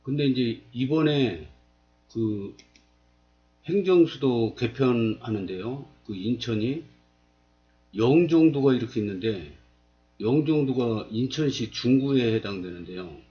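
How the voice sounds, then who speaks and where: A man's voice: mid-range voice, unhurried, dull audio. Plain-spoken man in his fifties. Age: 50s. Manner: plain, steady, asks rhetorical questions. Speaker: video blogger. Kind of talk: explaining while pointing at a map.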